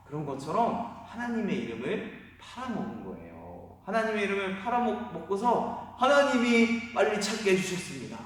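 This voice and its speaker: Animated pastor telling a story to kids. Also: male voice, medium pitch. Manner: animated, questioning the listeners. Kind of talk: children's sermon storytelling. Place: church sanctuary. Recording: echoey hall from far off.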